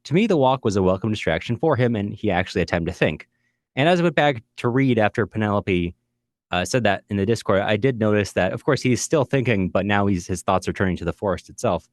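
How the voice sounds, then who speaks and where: A man's voice: lowish voice, lively intonation, fast talker, no echo, clean studio sound. A man from California with an American accent, co-hosting a casual literary discussion in a reflective way with some wry joking. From California, USA. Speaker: podcast co-host.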